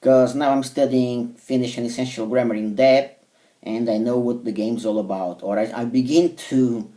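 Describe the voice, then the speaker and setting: Man, Portuguese accent, native Portuguese speaker, hesitant with many fillers, warm dark tone, a bit off-mic. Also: mid-range voice, steady tone, normal speed, distant mic. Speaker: language learner vlogger. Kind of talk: casual monologue to camera.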